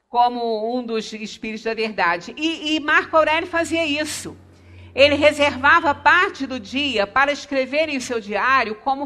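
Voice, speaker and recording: A woman's voice: on the high side, pushed and bright. A middle-aged woman from Brazil giving a spiritist lecture in a small meeting room, gesturing broadly and speaking conversationally. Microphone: far camera, standing speaker.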